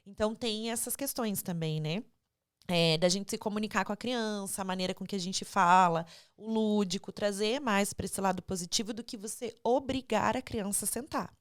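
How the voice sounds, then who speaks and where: A woman's voice: medium pitch, moderate pace, no echo, clean studio sound. A woman with a Brazilian Portuguese accent hosting an interview podcast, talking casually about her daughter and often tagging her sentences with "né" and "sabe". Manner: chatty, animated, tags sentences with "né" and "sabe". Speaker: podcast host; mother of a young daughter.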